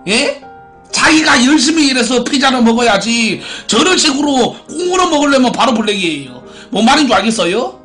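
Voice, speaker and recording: A man's voice: very high voice, very animated, fairly quick, a bit bright, soft background music. A man in his twenties hosting a live stream, reading out viewer posts and giving theatrical announcer-like verdicts in a brash, crude, mocking way. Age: 20s. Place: small indoor room at a computer.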